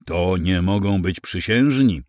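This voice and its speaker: Male narrator doing a skeptical senator, low, curt and dismissive, dry sound. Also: animated, takes it slowly, darkish tone, dry recording.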